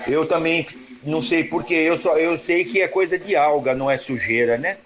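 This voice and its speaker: A male listener rambles slowly through an informal voice message, circling back with plenty of "né". His voice sits slightly high. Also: a bit bright. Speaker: caller.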